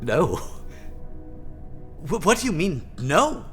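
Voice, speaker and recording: Lower-voiced, excitable loyal assistant. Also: female voice, slow, faint music behind. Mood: pleading, persuasive. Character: loyal, excitable assistant to a brilliant scientist, pragmatic. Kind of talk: audio fiction drama acting.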